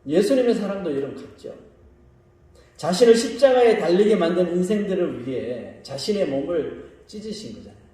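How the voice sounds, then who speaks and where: A man preaching a sermon. His delivery swings between soft, low asides and raised, emphatic lines, and he often puts questions to the congregation. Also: sing-song, normal speed. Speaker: pastor. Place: church sanctuary. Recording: very echoey room, voice from a distance.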